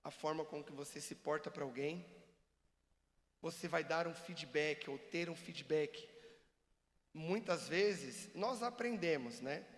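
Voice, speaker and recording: A man giving an animated, joking church seminar talk and acting out examples for the audience. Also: on the high side, slow pace. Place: church hall. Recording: long reverb of a church hall.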